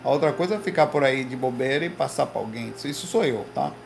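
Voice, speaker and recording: A man hosting a casual livestream from his home, telling slangy, animated stories to his viewers. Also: mid-range voice, fast talker, vocal fry, noisy background. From Recife, Brazil. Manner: slangy, animated storytelling with lots of "velho" and "cara". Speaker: livestream host. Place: home room.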